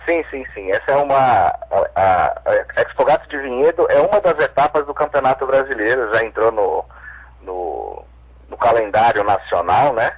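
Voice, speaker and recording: An event organizer with a Brazilian Portuguese accent speaks as a guest in a phone-in radio interview, hesitating and restarting often. His medium-pitched voice is lively and slightly rough at a moderate pace, and the audio is poor.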